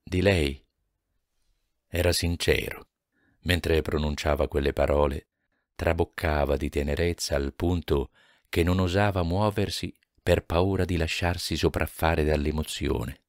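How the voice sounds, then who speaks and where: A man reading a novel aloud as an audiobook narrator, in a measured, even manner. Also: a bass voice, no echo, studio quality. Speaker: audiobook reader.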